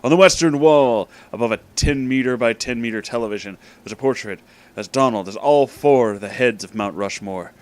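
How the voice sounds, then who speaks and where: A man's voice: medium pitch, fairly quick. A man hosting in a casual, informal way, with emphatic, dramatic delivery. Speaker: host reading fan fiction aloud. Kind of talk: casual comedic storytelling.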